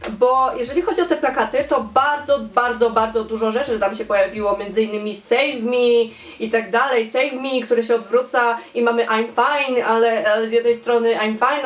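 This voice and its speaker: Animated young woman in an echoey room. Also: a little high. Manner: animated, enthusiastic, repeats words for emphasis. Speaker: fan theory vlogger. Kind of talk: casual chat reading comments.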